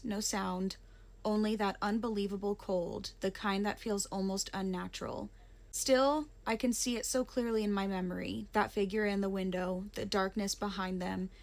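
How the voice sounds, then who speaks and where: A woman with a Southern American accent reading a listener's ghost story aloud, hushing her voice at the creepy moments. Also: mid-range voice.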